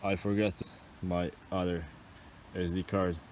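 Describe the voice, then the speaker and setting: In a Croatian accent, a man speaks at a very deep, low pitch. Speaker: bushcraft vlogger. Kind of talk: outdoor vlog narration. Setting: outdoors. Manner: loud.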